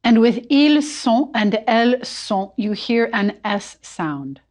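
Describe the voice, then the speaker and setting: Woman teacher, slow careful pace, slightly higher voice, patient explanations. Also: expressive, darkish tone. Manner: clear, patient, instructive. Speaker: language teacher. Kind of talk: explaining pronunciation in English.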